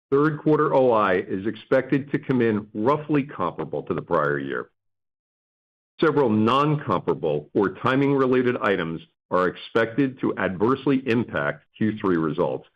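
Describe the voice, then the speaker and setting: A man reading scripted financial remarks formally as a company executive on an earnings call. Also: fairly low pitch. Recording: dull lo-fi conference call audio.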